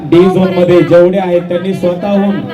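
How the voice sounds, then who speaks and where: A man making firm, pleading announcements to a protest crowd through a loudspeaker. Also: sits high, flat delivery, a little fast, over music. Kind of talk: public address announcements to a crowd. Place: outdoor protest ground. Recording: echoey loudspeaker heard from far off, loud crowd. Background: large crowd.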